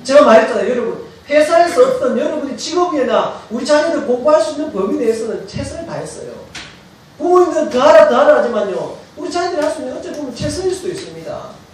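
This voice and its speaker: A male pastor preaching a sermon, questioning the congregation and rising to shouts at high points. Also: fast talker, few pauses. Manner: animated preaching, quizzes the congregation, rises to shouts. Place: church sanctuary. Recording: very echoey church hall, mic far off.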